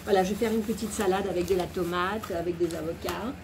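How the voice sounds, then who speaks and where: A woman's voice: fairly low pitch, steady tone, fast, background noise. A woman chatting casually as a vlogger at home, showing off her groceries in a rambling way and laughing at herself. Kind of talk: casual grocery haul chat.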